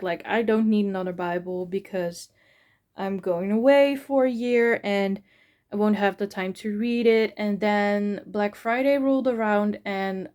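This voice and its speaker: Slow-talking woman vlogging books. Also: medium pitch, a little mellow. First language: Dutch. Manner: hesitant, many fillers and restarts. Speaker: book vlogger. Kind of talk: casual vlog chat.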